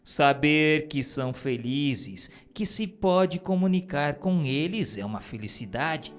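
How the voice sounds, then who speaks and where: A man giving a solemn, earnest reading of a religious text, measured and exhorting. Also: on the high side, animated. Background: faint music.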